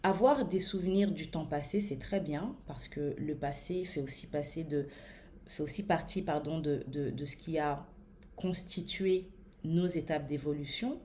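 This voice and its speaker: A woman in her thirties with a French accent, coaching her listeners on body image in a slow, deliberate talk with frequent hesitations. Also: sits low, dark tone, slight background noise. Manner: many hesitations and fillers. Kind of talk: motivational talk to camera.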